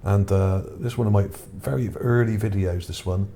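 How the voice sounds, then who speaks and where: Here the narrator's voice sits fairly low, warm and steady, moving at a brisk clip. He wanders through unscripted thoughts on his own image finds with a hesitant air while background noise runs underneath.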